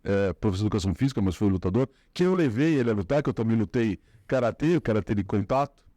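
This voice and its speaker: A man's voice: lowish voice, expressive, quick pace, warm tone, dry recording. A middle-aged man from São Paulo with a Paulistano accent, a guest in a casual interview, rambling through his family story with many fillers and restarts. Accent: Paulistano Brazilian Portuguese. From São Paulo, Brazil.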